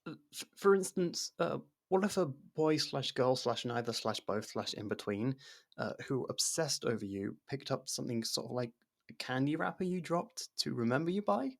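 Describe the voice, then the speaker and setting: A man's voice: mid-range voice, lively intonation, moderate pace, vocal fry. A man acting a nervous, awkward, secretly obsessive young lover in an intimate ASMR roleplay, stammering and backtracking as he talks. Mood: nervous, probing. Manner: stammering, hesitant, self-conscious, backtracking. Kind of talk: ASMR roleplay, intimate one-sided dialogue.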